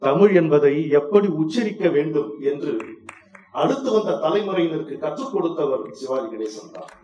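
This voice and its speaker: A man giving a formal, oratorical stage speech at an event, emphatic and swelling to loud passages. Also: a little high, animated, normal speed, dull audio. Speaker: speaker at an inauguration event. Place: event hall. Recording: echoey hall, voice far from mic.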